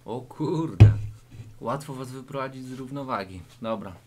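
In a low-ceilinged room indoors, a male YouTuber lectures the camera through a joke martial-arts lesson, staying mock-serious while alternating loud and quiet delivery. He keeps a measured pace over loud music.

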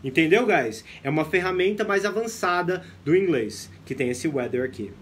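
A young man from Brazil teaching English on a live stream, lively, mixing English phrases into his explanations. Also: on the high side, normal speed, slight background noise.

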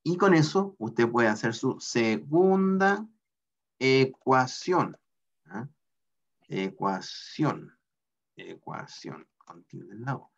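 A male teacher lecturing slowly and patiently through a mechanics problem, pausing often to check in with his students. His voice sits at an ordinary middle pitch. The sound is muffled and lo-fi, like an online class picked up on a computer mic. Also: very animated. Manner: explains step by step, checks in with a questioning "ah?".

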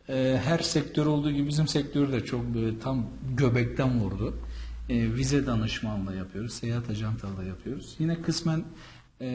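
Guy from anatolia rambling on in a vlog, chatty, lots of ums, mid pitch. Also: a little mellow, a little hiss or hum. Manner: chatty and rambling, many fillers. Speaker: visa and travel consultant. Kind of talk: casual vlog monologue.

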